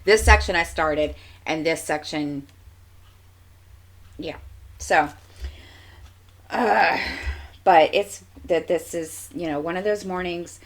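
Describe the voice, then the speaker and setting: Woman, low voice, stuffy nose, relaxed rambling crafting vlogger. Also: slow, long pauses. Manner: chatty, meandering, many fillers and restarts. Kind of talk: casual rambling chat.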